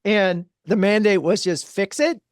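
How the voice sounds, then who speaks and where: Higher-pitched Californian man hosting, dry close sound. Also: unhurried, no room sound. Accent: Californian American. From California, United States. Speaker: podcast host. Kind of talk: conversational interviewing.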